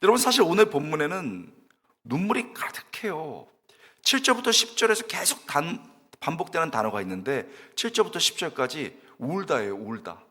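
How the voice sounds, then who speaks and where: A man's voice: a little high, big pitch swings, moderate pace, big-room sound. A middle-aged man preaching a sermon to a congregation, telling stories and asking them questions directly. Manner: storytelling, shouts and wails while acting out his own tearful prayer. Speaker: pastor, guest preacher. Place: church sanctuary.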